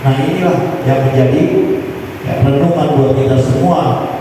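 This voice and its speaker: A man's voice: medium pitch, moderate pace, noisy background. A man preaching casually at a mosque study gathering, asking rhetorical questions and chanting Arabic verses. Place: large mosque hall. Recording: echoey hall from far off.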